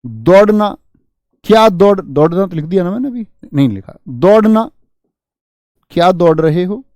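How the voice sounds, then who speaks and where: A man's voice: high voice, expressive, normal speed, a little mellow, no room sound, studio quality. A man teaching a grammar lesson, asking his students questions and answering them himself. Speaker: Hindi teacher.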